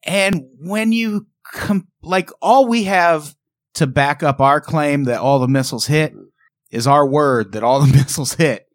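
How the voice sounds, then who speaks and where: A man's voice: a little high, unhurried, no echo. A man co-hosting a podcast, talking in a sarcastic, wry, casual way. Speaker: podcast co-host. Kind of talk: casual comedic chat.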